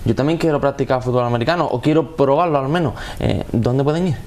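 A young man hosting a local TV interview in a studio, asking brisk questions into a lapel mic. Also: medium pitch, a little mellow. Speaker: TV host.

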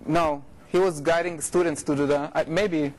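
A middle-aged man with an Israeli accent gives an informal academic talk, often halting, repeating and correcting himself. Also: fairly high pitch, fairly even intonation. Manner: informal, halting, frequent repetitions and self-corrections. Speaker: researcher giving a lecture. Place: lecture room, indoors.

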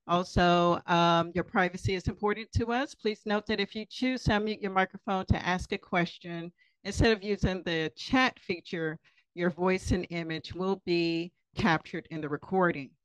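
A woman moderating an online event, reading out privacy notes and questions from the chat in a clear, procedural way. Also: lowish voice, dry recording, rough recording. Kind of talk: reading announcements. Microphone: video call.

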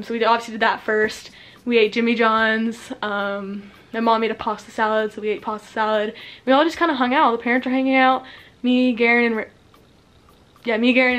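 A sixteen-year-old girl chatting casually and bubbly in a vlog, talking so fast she runs out of breath and saying "like" a lot. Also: fairly high pitch, fairly bright tone. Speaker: vlogger. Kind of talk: casual chat.

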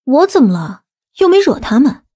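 Excitable young city woman, acted by a woman, high, whiny, dry audiobook recording. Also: moderate pace, dry recording. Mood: pouty, excited.

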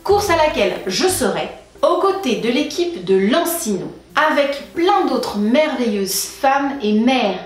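A young woman hosts her vlog with a lively, bouncing delivery and playful asides, her voice sitting a little high. She talks in an echoey room with faint music underneath. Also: unhurried. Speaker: breastfeeding channel host. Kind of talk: informative vlog monologue.

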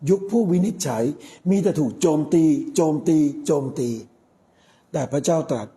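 Mellow-voiced Thai priest preaching. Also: male voice, on the high side, lively intonation. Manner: measured, with frequent pauses. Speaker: Catholic priest. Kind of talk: sermon.

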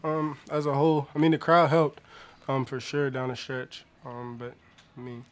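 A young man, a college basketball player, answering postgame press questions softly and with many hesitant pauses, at a table mic in a press room. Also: medium pitch, level tone, slight background noise. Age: young adult. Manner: soft-spoken, many hesitant ums. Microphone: table mic on stand.

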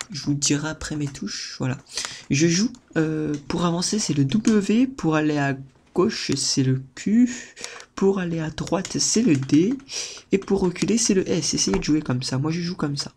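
A man commentating his own gameplay as a video host, excitable and theatrical, repeating words and breaking into sudden high-pitched outbursts while talking to his viewers. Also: unhurried, a little hiss or hum. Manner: playful theatrical exclaiming, addresses viewers. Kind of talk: let's-play gameplay commentary.

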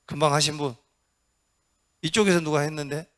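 A middle-aged man, a Buddhist monk, giving an interactive dharma talk in a Buddhist hall. He quizzes and coaxes his listeners and acts out the shouts he describes. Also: a little high, steady tone, normal speed. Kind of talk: interactive sermon.

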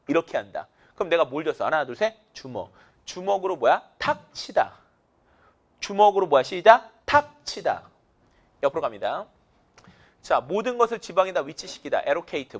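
A male English teacher giving an energetic vocabulary lecture, counting students in and drilling them with call-and-response cues. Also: fairly high pitch.

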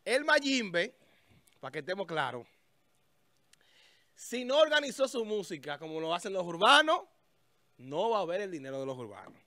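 A man hosts a casual studio talk show, speaking high in his range into a stand mic. The sound is dry and close. He thinks out loud, restarting phrases while he looks things up. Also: very animated, moderate pace, pauses often, dry recording. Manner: talks while searching a website, thinking aloud with restarts. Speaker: show host. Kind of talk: casual on-air chat. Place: small studio with a festive desk.

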